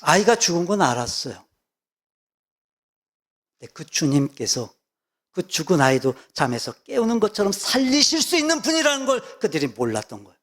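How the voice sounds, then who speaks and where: Man, pastor, sermon, animated pitch, emphatic, rhetorical questions. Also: moderate pace, long pauses. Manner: emphatic, repeats key words, asks rhetorical questions.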